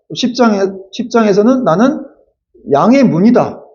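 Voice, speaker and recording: A man is speaking. There is audible room echo around his voice. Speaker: pastor. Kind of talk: sermon. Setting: church. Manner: fast; slurred pronunciation when speeding up.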